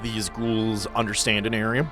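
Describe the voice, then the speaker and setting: A man's voice: lowish voice, flat delivery, moderate pace, music in the background. A man acting as game master, describing and explaining a tabletop game scene in an improvised way.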